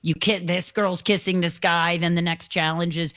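Chatty co-host reading news bits. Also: male voice, sits high, level tone, moderate pace, bright, forceful tone, no room sound, clean studio sound. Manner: chatty and easygoing. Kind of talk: reading quick news bits, casual banter. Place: radio studio.

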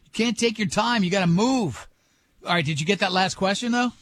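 A middle-aged man hosting a radio show, bantering and running a quick quiz in a teasing, jokey way. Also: high-pitched, a bit bright. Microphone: studio microphone.

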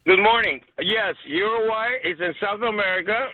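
A man's voice: high-pitched, normal speed, no room sound. A man from Chile calling into a radio show, cheerful and matter-of-fact, coming through a phone line. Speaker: caller.

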